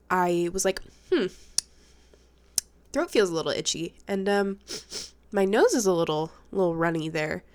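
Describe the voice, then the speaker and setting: A young woman vlogging about her art in a casual, chatty, self-deprecating way, her voice congested and sniffly from a cold. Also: medium pitch. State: stuffed-up nose from a cold. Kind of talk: casual chat.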